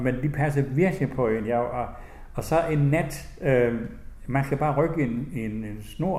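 An older man from West Jutland reminisces in a soft, reflective voice, pausing and restarting often. He then reads slowly and deliberately from his own book. His mid-range voice carries a clear echo from the room. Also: medium pitch. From West Jutland, Denmark. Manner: gentle, reflective, halting, with restarts; slow, measured reading voice. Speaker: author. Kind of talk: personal memories, then reading aloud from his book.

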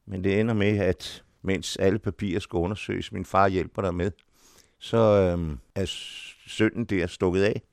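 An older man with a very low, gravelly voice tells stories from his past in an interview, unhurried and full of small restarts. He sounds close and dry, with no room around him. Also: steady tone, no echo. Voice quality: deep voice. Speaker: actor, interview guest. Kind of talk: reminiscing in an interview.

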